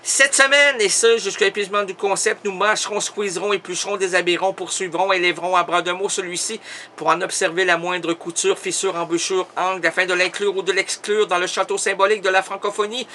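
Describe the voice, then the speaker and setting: Theatrical Québécois man, high, bright voice. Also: steady tone, a little fast, a little hiss or hum. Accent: Québécois French. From Quebec. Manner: theatrical, wordplay-driven, exaggerated. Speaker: comic host. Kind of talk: absurdist comic monologue.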